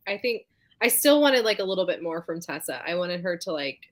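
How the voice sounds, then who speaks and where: A woman with a slightly low voice chats casually about books as a live show host. She talks in a hesitant way, often searching for the right words as she goes. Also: sing-song, brisk. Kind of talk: casual book discussion.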